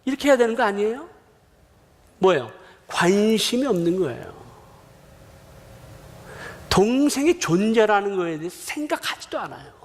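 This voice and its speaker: A middle-aged man preaching a sermon as a missionary, telling family stories and acting out the dialogue with lively swings. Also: high-pitched, normal speed, long pauses. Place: church sanctuary. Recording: long hall reverb.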